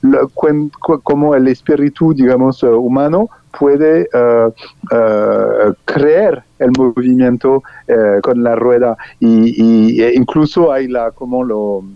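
A man answers in halting, speech, pausing often and restarting his words. The recording is dry and dull, with little room and a lo-fi tone. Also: medium pitch, fairly even intonation, creaky, dry recording. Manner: hesitant, many restarts and fillers. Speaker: guest researcher. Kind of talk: unscripted interview answers.

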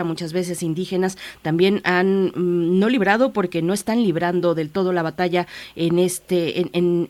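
A woman hosting a radio interview, formal and respectful toward her guest. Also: fairly low pitch. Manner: formal, addresses guest as doctor. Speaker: radio host.

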